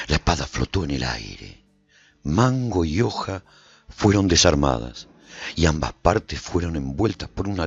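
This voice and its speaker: A man with a very deep, husky voice narrates a radio drama, his pitch rising and falling with lively expression. The recording is dry and dull, with faint music underneath. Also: no room sound. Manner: expressive storytelling.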